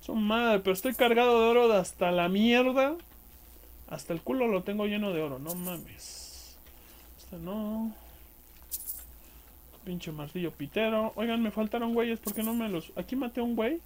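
This high-voiced gameplay streamer talks at a normal speed over a slight hiss or hum. He has a Mexican accent and keeps up loose, slangy, crude banter while playing, cursing out enemies in casual let's-play style.

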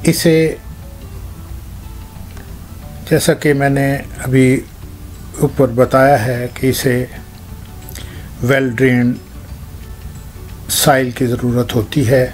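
A man hosting a gardening channel, explaining plant care in short, halting phrases while showing things by hand. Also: mid-range voice, darkish tone. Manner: shows things hands-on while talking.

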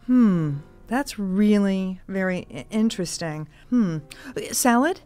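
A woman playing a sweetly awkward secret bounty hunter in an improvised radio drama, speaking politely and haltingly. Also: mid-range voice, lively intonation, warm tone, faint music behind. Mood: probing, uneasy.

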